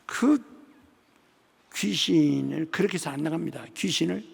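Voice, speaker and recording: Gravelly older pastor preaching in a hall. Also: male voice, a little high, measured pace. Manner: animated storytelling, acting out dialogue. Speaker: senior pastor. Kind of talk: sermon. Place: large church sanctuary. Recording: long reverb of a large sanctuary.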